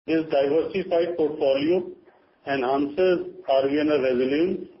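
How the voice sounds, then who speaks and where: Higher-voiced Indian man, formal corporate reading. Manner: formal, scripted. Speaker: company chief giving earnings remarks. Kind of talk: formal prepared corporate statement read aloud. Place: conference call. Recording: dull lo-fi conference call, faint noise.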